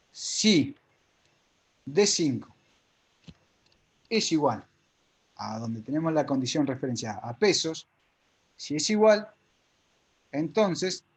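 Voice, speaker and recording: A man's voice: fairly high pitch, husky. A man teaching a live spreadsheet class step by step, with an Argentine Spanish accent, often checking whether his students follow.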